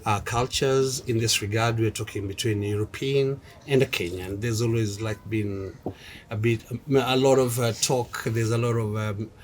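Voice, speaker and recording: A man's voice: on the low side, steady tone, normal speed. Male interviewer, rambling questions, lots of fillers, faint background noise. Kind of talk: casual interview.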